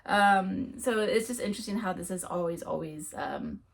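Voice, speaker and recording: A woman's voice: lowish voice, normal speed, vocal fry. Rambling woman full of ums. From United States. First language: French. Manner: rambling, with frequent ums and restarts. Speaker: book vlogger. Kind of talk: casual monthly reading wrap-up.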